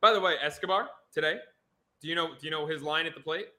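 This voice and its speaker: Energetic New man co-hosting a sports podcast; bright, slightly high voice. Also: quick pace. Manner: excitable, energetic, jokey. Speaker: podcast co-host. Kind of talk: casual sports podcast chat.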